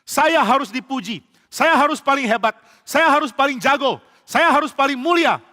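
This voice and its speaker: A man playing a jealous, sly old king who sounds sweet but turns petty and whiny. The voice is high and bright and echoes around a large church hall. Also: animated, moderate pace, heavily acted. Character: scheming jealous King Saul, grown man.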